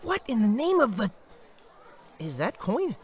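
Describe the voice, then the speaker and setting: An actor playing a troubled, earnest and proud young jeweler's apprentice in a fantasy audio drama. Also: male voice, very high-pitched, huge pitch swings, a little slow, darkish tone, heavily acted. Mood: startled, bantering.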